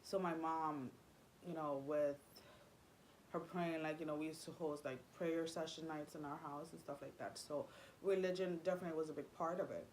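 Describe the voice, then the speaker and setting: Chatty low-voiced woman telling her story. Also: steady tone, moderate pace, a little hiss or hum, low-quality recording. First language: Spanish. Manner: rambling, confiding, many fillers and restarts. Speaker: vlogger. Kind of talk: personal storytelling vlog.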